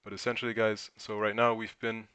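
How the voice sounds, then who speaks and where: A man's voice: on the low side, level tone, brisk, bright, forceful tone, clean tone, no echo. A man from Germany whose first language is German, hosting a casual livestream and thinking aloud while he answers chat questions. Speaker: crypto livestream host.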